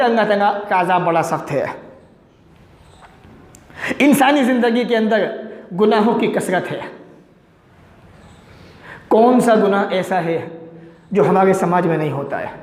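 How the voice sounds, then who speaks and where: A man preaching a fiery sermon, urgent and rhetorical, firing off questions and lists of sins. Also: high voice. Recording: echoey hall reverb.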